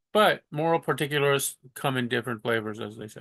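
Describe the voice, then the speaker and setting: A man mumbles in a bright, sharp tone with ordinary pitch variation. The sound is dry and close, with no echo. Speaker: amateur philosophy video maker. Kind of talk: casual talk to camera about philosophy. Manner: unedited, with hesitations and mumbling.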